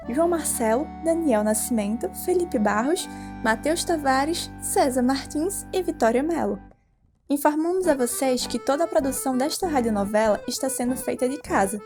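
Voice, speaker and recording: A woman announcer reads from a script. Her voice is very high, and music plays clearly behind her. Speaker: credits announcer.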